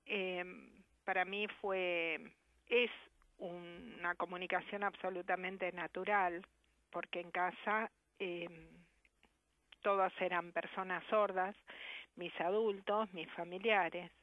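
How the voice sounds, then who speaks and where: A woman with an Argentine Spanish accent, a sign language interpreter answering a radio interview in a measured, reflective way over the phone. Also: fairly low pitch, fairly even intonation, no room sound. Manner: measured, reflective, careful diction. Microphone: telephone. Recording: muffled phone line.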